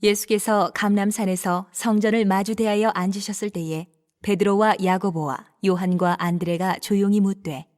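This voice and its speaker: A woman narrating a dramatized Bible reading with an even, clear storytelling delivery. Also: medium pitch, moderate pace.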